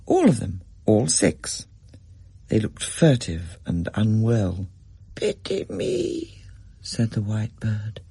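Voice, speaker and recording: A man narrating a scripted story in an expressive, measured way. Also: on the low side, vocal fry, breathy edge, no echo.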